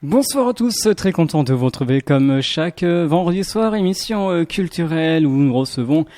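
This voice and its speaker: A man hosting a weekly cultural radio show, speaking haltingly with frequent filler pauses. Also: a little high, expressive, warm tone. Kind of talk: radio interview. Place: radio studio.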